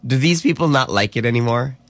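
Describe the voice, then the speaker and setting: A man's voice: mid-range voice, lively intonation, quick pace, a bit bright, dry recording. A man from the Philippines co-hosting morning radio, wry and reflective, slipping into Tagalog. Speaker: radio show co-host. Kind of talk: casual morning radio banter.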